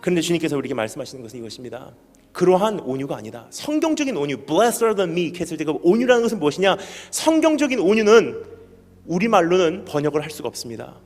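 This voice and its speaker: A man preaching a sermon as a missionary at a special church meeting. He keeps asking the congregation questions and swings from loud emphatic bursts to quiet, low lines. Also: very animated, fast, big-room sound, faint music behind. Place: church hall.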